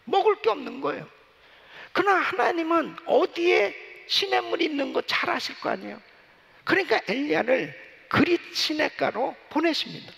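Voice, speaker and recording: A man's voice: very high-pitched, animated, moderate pace, vocal fry, a bit bright. A male pastor preaching a sermon in a church sanctuary, telling stories animatedly with frequent asides to the congregation. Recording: long church reverb.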